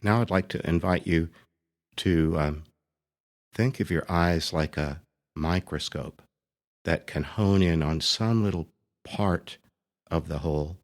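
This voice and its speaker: Slow, very low-voiced man guiding meditation. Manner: gentle, deliberate, with long pauses between short phrases.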